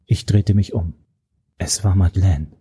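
A man reading a first-person audiobook in a steady, grave manner. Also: deep voice, unhurried, slightly rough. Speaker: narrator.

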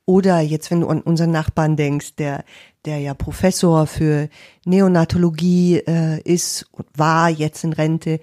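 A woman's voice: low voice, little pitch movement, unhurried, warm tone. A woman in her fifties in casual conversation as a podcast co-host, reflective and searching for words.

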